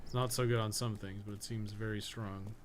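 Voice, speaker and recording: A man's voice: on the low side, steady tone, a little fast, a little hiss or hum. A man giving casual, rambling live commentary while playing a video game, with some swearing and self-amusement. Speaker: video game streamer and podcast co-host.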